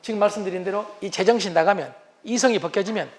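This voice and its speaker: Brief: male lecturer, very high for a man, lively storytelling delivery in a comedic talk. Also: quick pace. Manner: animated, acts out spouses' lines. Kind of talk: humorous lecture.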